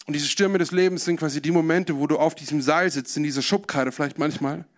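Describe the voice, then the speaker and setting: A man's voice: a little high, steady tone, quick pace. A male preacher telling a story in a sermon, vividly, and addressing his listeners directly.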